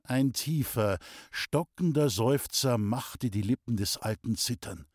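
Man, audiobook reader, classic novel, measured narration, husky voice, dry close sound. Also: medium pitch, darkish tone, no echo.

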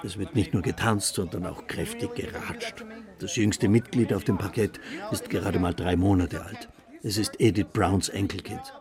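A man's voice: deep voice, big pitch swings, moderate pace, a crowd in the background. A man narrating a scripted documentary report as a reporter.

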